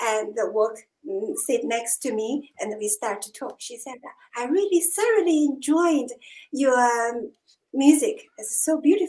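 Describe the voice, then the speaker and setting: A woman with a dark, mellow tone speaks fairly slowly, using very wide pitch swings, big swings in loudness and long, frequent pauses. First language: not English. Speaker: musician, accordion player. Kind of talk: storytelling in casual chat. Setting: video call.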